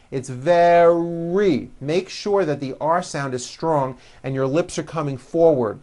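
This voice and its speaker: A pronunciation teacher narrating a language lesson, giving instructions and enunciating example words with deliberate emphasis for the learner to repeat. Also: mid-range voice. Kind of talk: language lesson narration with slow, repeat-after-me word drills.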